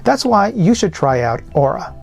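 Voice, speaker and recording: A man's voice: high voice, sing-song, moderate pace, creaky, music in the background. A man hosting a casual product review, explaining things informally with colloquial phrases as he demonstrates gear. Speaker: product reviewer and channel host.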